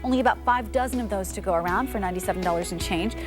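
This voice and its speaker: A woman hosting a live shopping channel, chatty and enthusiastic as she pitches jewelry. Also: rapid-fire, over music.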